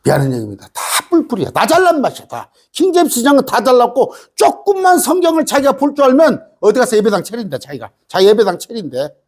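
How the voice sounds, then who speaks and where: A male pastor preaches with a high, lively voice that swoops up and down as he drives his points home. His tone is slightly husky, and he keeps firing rhetorical questions and quick "eh?" asides at the congregation. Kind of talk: sermon.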